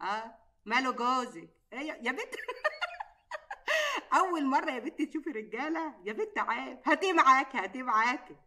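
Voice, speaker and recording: An actress playing a lively, teasing older aunt in an Egyptian television comedy drama, speaking with an Egyptian accent. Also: female voice, sits high, moderate pace, heavily acted. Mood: cheerful. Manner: loud, laughing, teasing banter.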